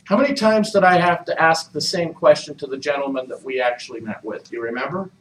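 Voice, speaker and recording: A man's voice: on the high side, fast, fairly bright tone, slight background noise. A man leading a real estate training session, coaching the group with repeated questions. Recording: echoey room, mic far off.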